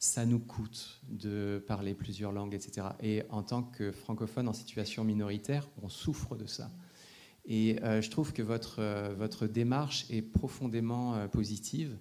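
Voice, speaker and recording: This man has a dark, mellow tone and a fairly low pitch. He speaks at a fairly slow pace with fairly even intonation. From France. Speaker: academic, audience member. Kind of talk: audience comment at conference. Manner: hesitant, many fillers.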